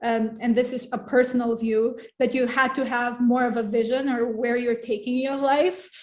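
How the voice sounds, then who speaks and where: With an Albanian accent, a woman speaks in a high pitch at a moderate pace, hardly pausing. Her intonation stays monotone and flat. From North Macedonia, Struga. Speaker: PhD researcher, school alumna. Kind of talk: interview.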